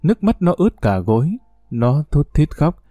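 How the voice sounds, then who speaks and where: Male storyteller, steady measured narration, dark tone, dry recording. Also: a little high, dry recording.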